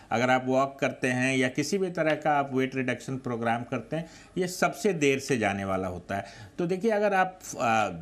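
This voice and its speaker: A male doctor on a TV panel explaining health matters in technical terms, pausing on fillers. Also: mid-range voice. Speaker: doctor guest.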